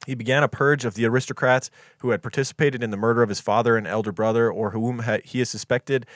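A man's voice: mid-range voice, steady tone, fast, fairly bright tone, dry recording, studio quality. A man co-hosting a true crime podcast, reading history from notes in a casual, offhand way and tripping over foreign names. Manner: reads dates and quotes, stumbles on foreign names, swears casually.

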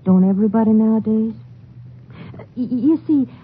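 A woman's voice: a little high, moderate pace, natural voice. Casting: woman playing fretful young small-town mother, folksy and hesitant, thin vintage radio sound with faint noise. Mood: worried, sheepish. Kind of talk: 1950s western radio drama acting. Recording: tinny, noisy vintage radio broadcast.

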